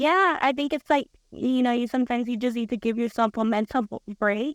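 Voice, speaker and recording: In a Spanish accent, the voice shows ordinary pitch variation on a very clean recording with a silent background and a dry, close sound with no echo. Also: woman. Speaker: small business owner, candle maker. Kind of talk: podcast interview. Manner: hesitant, many fillers.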